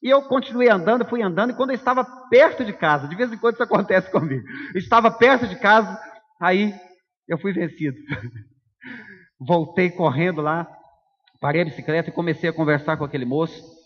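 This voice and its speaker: High-voiced Brazilian preacher in echoey hall. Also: male voice, fairly quick, slightly rough. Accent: Brazilian Portuguese. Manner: animated storyteller who addresses the congregation. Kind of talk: sermon with personal storytelling. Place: church hall. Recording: echoey hall, dull lo-fi sound.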